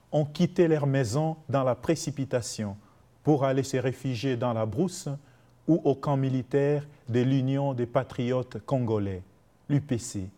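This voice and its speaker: Male documentary narrator, mellow and formal. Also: medium pitch. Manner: even, formal.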